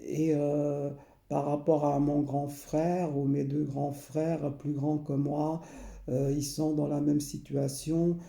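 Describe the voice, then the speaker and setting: A man, recalling his past slowly and hesitantly, often pausing and repeating himself. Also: a little high, level tone, creaky, dark tone, echoey room. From Portugal. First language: Portuguese. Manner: hesitant, many pauses and repeated phrases. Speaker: memoir narrator. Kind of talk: slow personal recollection.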